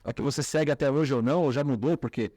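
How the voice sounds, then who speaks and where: A man hosting an interview podcast, leading the guest with lively questions. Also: medium pitch, quick pace, no room sound. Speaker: podcast host.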